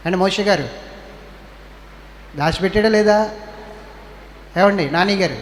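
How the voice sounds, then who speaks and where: A man's voice: high-pitched, unhurried, slight background noise. A male pastor with a Telugu accent preaching a church sermon. He calls on the congregation to respond, scolds and exhorts them. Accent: Telugu, Andhra Pradesh. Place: church hall. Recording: echoey church hall with faint ambience.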